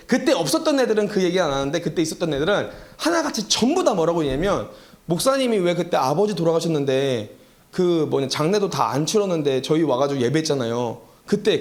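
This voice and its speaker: A man preaching a revival sermon as pastor, telling a personal story and asking the congregation questions. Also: high voice. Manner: animated, acts out quoted voices, rhetorical questions to congregation.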